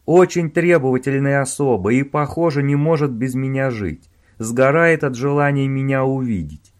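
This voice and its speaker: A man voicing an angry schemer who shouts at his bungling accomplice, harsh and loud. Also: medium pitch, animated, normal speed, voice pushed up, natural voice. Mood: furious.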